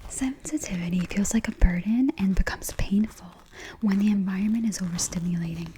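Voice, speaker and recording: A woman speaking in a hushed, breathy whisper, soft-spoken ASMR style, gently and deliberately reassuring the listener. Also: mid-range voice, slight background noise, rough recording.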